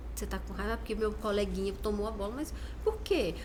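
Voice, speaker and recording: Soft-spoken, a woman talks at a moderate pace amid audible room echo and noticeable background noise. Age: 40s. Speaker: mother and book discussion guest. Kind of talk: casual chat.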